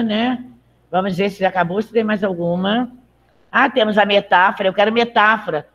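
A woman's voice: medium pitch, a bit bright, muffled recording. Woman teacher, online grammar class, chatty and encouraging, motherly with students. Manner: chatty, checks in with frequent "tá?". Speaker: Portuguese teacher. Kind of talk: live online grammar lesson.

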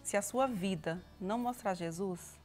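A woman in her thirties, a missionary guest on a TV cooking show, speaking in an earnest, measured and devout way. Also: mid-range voice, a little mellow, faint music behind. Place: TV studio kitchen set.

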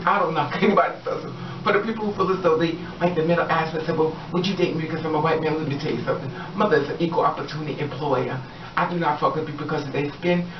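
A middle-aged woman vlogging straight to the camera in a hallway at home, blunt and sassy, with swearing. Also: sits low. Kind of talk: direct-to-camera monologue. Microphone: camera a few steps away. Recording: roomy, distant, dull sound with background hiss.

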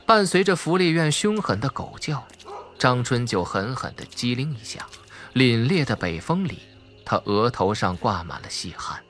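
A man's voice: medium pitch, very animated, normal speed, a bit bright. A man reading a novel as dramatic scripted narration. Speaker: audiobook narrator. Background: background music.

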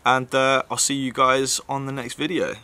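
A man's voice: medium pitch, level tone, normal speed, pushed and bright. A man with a nasal voice, chatting casually to camera in a rambling vlog with plenty of fillers. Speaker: vlogger.

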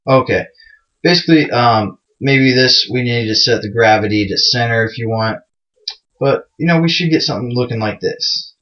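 A man's voice: mid-range voice, moderate pace, fairly bright tone. A man hosting a programming screencast, talking loosely and mocking himself, with plenty of fillers. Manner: loose, chatty and self-mocking, with many fillers. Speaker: programming tutorial host. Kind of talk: casual screencast tutorial. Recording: dull lo-fi mic sound.

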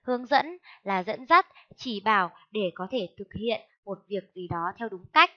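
Slow, deliberate woman teacher. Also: mid-range voice, expressive, highs cut off. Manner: slow, deliberate enunciation, spelling out words for children. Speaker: primary school teacher. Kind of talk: reading lesson for young children.

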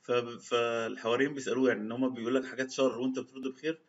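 A man's voice: medium pitch, fairly even intonation, rapid-fire. A man with an Egyptian Arabic accent giving a storytelling religious talk, retelling old anecdotes and reciting quotes in formal classical Arabic. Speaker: religious speaker. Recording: slightly dull lo-fi sound.

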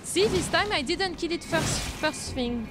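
A woman's voice: lively intonation, measured pace, over loud music. A young woman with a French accent, chatting playfully with viewers while streaming a game, often giggling. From France. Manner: playful, bursts into giggles, swings high when protesting. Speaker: VTuber streamer. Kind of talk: casual gameplay chat with viewers.

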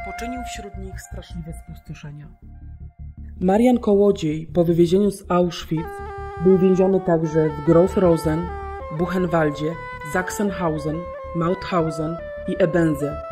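Male narrator, scripted historical delivery, clearly audible music bed. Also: sits high. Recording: narration over prominent music.

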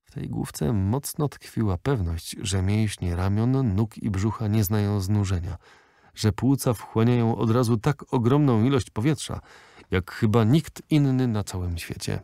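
A man reading a classic novel aloud as an audiobook narrator, in a measured, literary way. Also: lowish voice, mellow, no room sound, studio quality.

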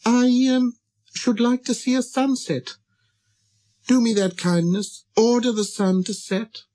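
A man's voice: very high voice, fairly even intonation, measured pace, warm tone, pitched above the performer's own voice. A man voicing a timid, curious and polite little boy prince in a storybook. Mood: shy pleading.

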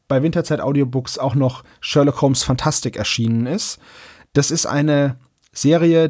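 A man hosting a podcast, speaking in a conversational way with a slightly husky voice. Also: fairly high pitch, a little mellow. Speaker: podcast host. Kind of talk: casual podcast chat and announcements.

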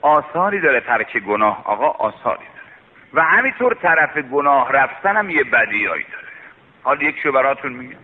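A man's voice: medium pitch, sing-song, big-room sound. A man preaching an impassioned sermon, telling a story with strong emotion and calling out to the congregation. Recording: tinny lo-fi radio broadcast recording.

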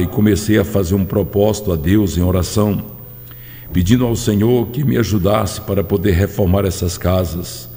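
A man's voice: low-pitched, dark tone. A man, a pastor, fervently reading out church members' testimonies on a broadcast, drawing out his phrases. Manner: fervent preaching, drawn-out phrases. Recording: long hall reverb with faint music.

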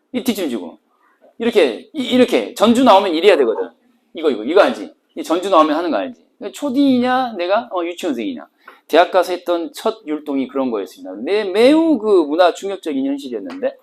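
Middle-aged male exam-prep teacher, slightly high voice, animated delivery, constant rhetorical questions. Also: husky. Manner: animated, joking, full of rhetorical questions to students. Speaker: Korean literature teacher.

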